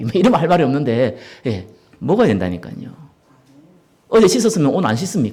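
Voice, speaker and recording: With audible room echo, a man speaks at a very fast pace, his pitch swinging very widely. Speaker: pastor. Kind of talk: sermon. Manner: animated.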